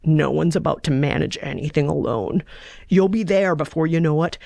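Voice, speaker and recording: A steady young man from a romance novella, voiced by a woman reading aloud. He speaks with calm certainty to soothe, in a creaky voice, recorded very dry. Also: sits low, normal speed, dry recording. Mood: reassuring. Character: reassuring, steady young man, racing-obsessed boyfriend.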